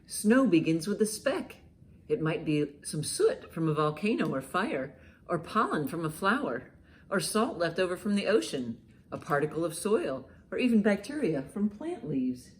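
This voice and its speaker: A woman hosting a children's storytime, reading and explaining in simple, expressive language meant for young listeners. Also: on the low side, normal speed. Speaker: children's librarian, storytime host. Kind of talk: children's storytime, reading a picture book aloud and commenting.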